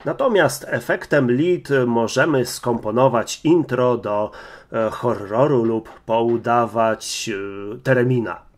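A man's voice: mid-range voice, slight background noise. A man demonstrating and reviewing a piece of gear in a casual, explanatory way. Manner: explanatory, measured. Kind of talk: casual product demo.

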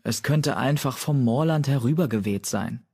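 Guy doing a careful tomcat, talks slow and measured. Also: mid-range voice, darkish tone, slightly rough, voice pushed up. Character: calm, cautious male warrior cat.

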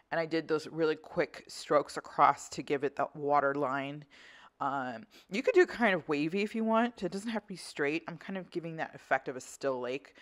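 A woman's voice: sits low, a bit bright. A woman instructor talking through an art tutorial in a casual, conversational, explanatory way. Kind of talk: casual voice-over craft tutorial.

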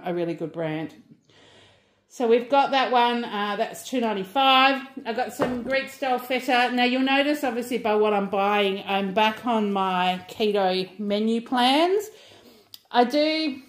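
A woman's voice: a little high, roomy sound. A middle-aged Australian woman chatting casually through a grocery haul, rambling with lots of ums. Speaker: vlogger.

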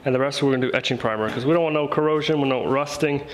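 A man's voice: medium pitch, very fast. A man in his thirties chatting casually to viewers as a vlog host, with informal, colloquial phrasing, recorded in a garage. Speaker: car rebuild vlog host. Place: garage workshop, indoors. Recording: roomy echo, faint background noise.

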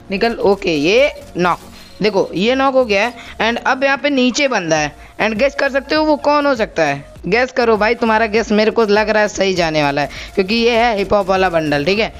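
Young guy talking over his game clips, friendly and chatty, keeps calling viewers bro, light music low underneath. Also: fairly bright tone. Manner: chatty, addresses viewers as brother, keeps asking for comments. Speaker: gaming channel host. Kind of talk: gameplay commentary voice-over.

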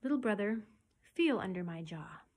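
A woman voicing a wise, protective male black panther from a storybook, speaking gently and earnestly with emphasis. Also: medium pitch, expressive, moderate pace, slight background noise, close to an everyday voice. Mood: gentle, confiding.

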